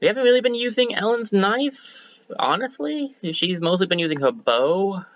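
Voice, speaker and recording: A slightly hoarse man streaming a game, chatting casually and thinking aloud as he corrects himself. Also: high voice, big pitch swings, moderate pace, highs cut off. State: a bit hoarse. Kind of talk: casual let's-play commentary.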